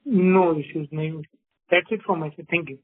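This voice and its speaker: A man's voice: on the high side, brisk, dry recording. A man asking questions politely as an analyst on a call. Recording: thin telephone line.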